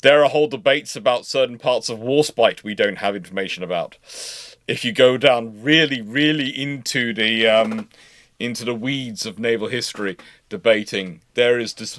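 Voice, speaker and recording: A man hosting a casual live question-and-answer stream, explaining as an expert in a halting way, often repeating and rephrasing mid-thought. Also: lowish voice, a bit bright, no echo.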